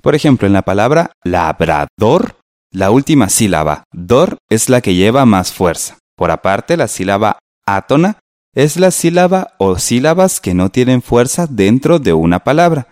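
A man teaching a radio lesson in a slow, patient way, spelling out syllables. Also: mid-range voice, sing-song, darkish tone, no room sound, clean studio sound.

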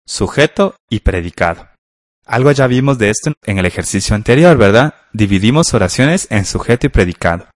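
A man co-teaching a scripted radio grammar class. He is calm and encouraging and asks confirming questions. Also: mid-range voice, dry recording.

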